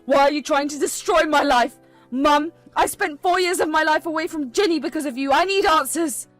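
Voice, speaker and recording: A firm, frustrated young husband, voiced by a woman narrator with a high voice that stays loud and insistent. He holds his ground and demands answers. This is a storybook reading with faint music underneath. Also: animated, moderate pace. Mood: angry.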